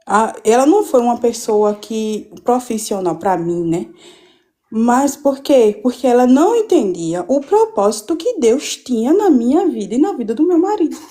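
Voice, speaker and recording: A woman's voice: on the high side, big pitch swings, normal speed, dark tone. A woman giving a fervent, rambling church testimony from home on a live stream, with many restarts.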